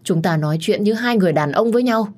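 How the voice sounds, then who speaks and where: A woman voicing a desperate young husband who pleads in a hoarse voice. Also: medium pitch, expressive, fast talker, darkish tone, voice pushed up, lightly acted. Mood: pleading.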